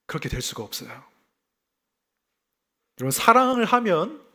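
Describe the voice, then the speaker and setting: A male pastor from South Gyeongsang with a faint Gyeongsang accent, giving a sermon in a lively, conversational way. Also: fairly high pitch. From South Gyeongsang, South Korea. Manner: lively, conversational preaching with self-deprecating laughs.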